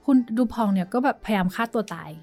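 A woman's voice: mid-range voice, fast talker, a little mellow, faint music behind. A woman co-hosting a podcast, telling a story in a chatty, hesitant way and dropping in English words. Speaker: podcast co-host. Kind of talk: casual chat.

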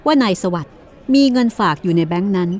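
A woman's voice: medium pitch, lively intonation, fast, darkish tone. A woman narrating a courtroom mystery story in a storytelling style.

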